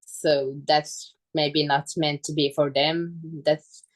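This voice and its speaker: Slow, low-voiced woman with Finland-Swedish accent. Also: level tone, rough recording. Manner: halting, searching for words in non-native English. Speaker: guest, fitness coach. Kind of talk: casual interview conversation.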